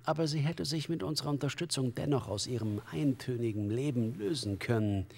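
An actor playing an esoteric male commune leader in a crime radio drama, unctuous and evasive, speaking in a halting, solemn, flowery way. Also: medium pitch, a little mellow, breathy edge. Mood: mournful, evasive. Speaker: suspect under police questioning. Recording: long hall reverb.

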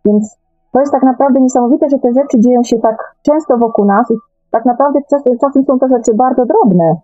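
A woman's voice: sits high, fairly quick, mellow, no echo, faint music behind. Woman on a thin phone-like line. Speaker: radio show guest. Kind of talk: conversational radio discussion.

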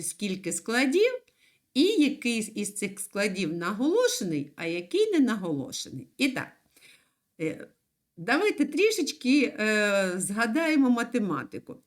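A woman teaching young children in an online lesson, speaking slowly in a lively, sing-song voice. She draws out each syllable so the children can follow. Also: on the high side. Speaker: primary school teacher.

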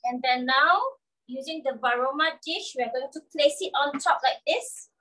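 A woman's voice: high voice, moderate pace, bright, forceful tone, slight background noise. A woman in her thirties with a Malaysian accent gives an informal, instructional cooking demonstration, often checking in with "okay?" and "all right?". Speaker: cooking show presenter demonstrating a kitchen appliance. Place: covered outdoor patio beside a garden. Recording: voice picked up from a distance.

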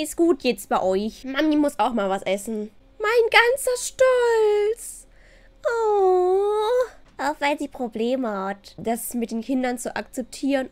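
A woman talks through her game in a loose, chatty commentary, sounding exasperated and mixing in English words. Her voice sits a little higher than most, recorded close on a desk microphone. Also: darkish tone. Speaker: gaming YouTuber. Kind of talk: casual let's-play commentary.

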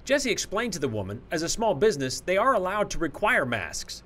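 A man's voice: sits high, big pitch swings, brisk, sharp tone, big-room sound. A middle-aged man presenting a scripted TV news report in a studio, with an emphatic anchor delivery. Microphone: lapel mic.

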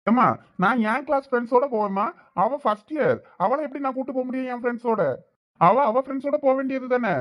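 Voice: high voice, fast talker, dry recording, dull audio, natural voice. A performer playing an irritated college-going son arguing with his mother in a village comedy skit, with a Thoothukudi Tamil accent. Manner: irritated, argumentative.

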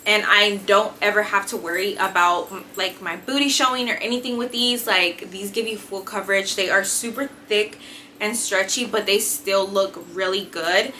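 This clip has a young woman, a fitness and beauty vlogger, chatting enthusiastically to camera about gym clothes from a small decorated bedroom, filler words throughout. Her mid-range voice moves at normal speed with a sharp edge. A light hiss or hum sits underneath.

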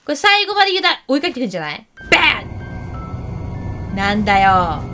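Game host, woman, high and bright, very animated. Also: normal speed, soft background music. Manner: chatty, talks to the game character and the viewers. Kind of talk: lively gameplay commentary.

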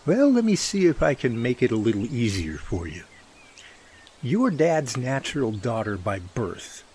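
Radio drama brother played by a man: earnest, protective, folksy, lively pitch swings, some ambient noise behind. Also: a little slow. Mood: tender, heartfelt.

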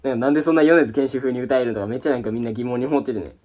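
A young man with a Kansai Japanese accent hosts a casual question-and-answer vlog on his YouTube channel. His medium-pitched, darkish voice races along as he rambles, full of fillers and restarts.

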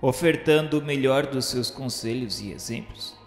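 A man's voice: medium pitch, normal speed, lightly acted. Man acting a solemn remorseful spirit in cavernous reverb. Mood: sorrowful, remorseful. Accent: Brazilian. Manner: solemn, formal, declamatory. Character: remorseful male spirit of a suicide, solemnly recalling his suffering. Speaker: narrator character in a radio drama. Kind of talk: dramatic first-person narration of a religious radio novel. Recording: echoey long reverb with music behind. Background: music.

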